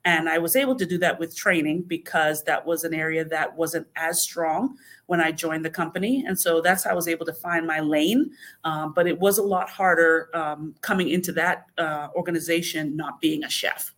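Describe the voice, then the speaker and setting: Her voice is low-pitched and fairly bright, with fairly even intonation. This Bahamian woman, a guest on a podcast, explains her answers carefully and leans on plenty of fillers.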